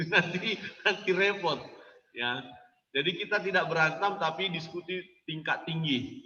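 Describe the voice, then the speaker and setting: A man preaching to church workers, anecdotal and animated, laughing often as he makes his points. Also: on the high side, a little slow. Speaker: pastor. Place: church hall. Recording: echoey hall, from far off, dull.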